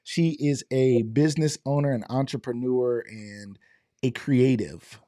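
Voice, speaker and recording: A middle-aged man hosting a live online show, slightly hoarse from losing his voice, talking in an upbeat, chatty way and greeting viewers by name. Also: mid-range voice, measured pace, mellow, no echo, clean studio sound. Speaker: host.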